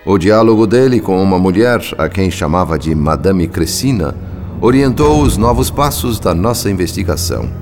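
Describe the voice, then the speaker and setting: A man's voice: low-pitched, animated, moderate pace, music in the background. A man with a Brazilian accent playing a grave, watchful spirit who narrates a radio drama in literary, solemn style.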